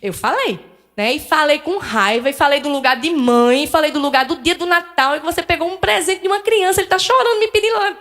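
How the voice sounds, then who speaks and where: Woman, middle-aged, spiritist lecturer, fairly high voice, animated storytelling, plays out dialogue. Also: fast. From Northeast Brazil. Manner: candid and self-deprecating with the audience. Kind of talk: personal storytelling in a spiritual talk.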